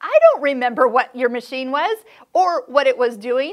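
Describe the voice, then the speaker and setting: Using a put-on character voice in a Chicago accent, a woman talks at a high pitch and a moderate pace. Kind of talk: casual tutorial chat. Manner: brusque, annoyed.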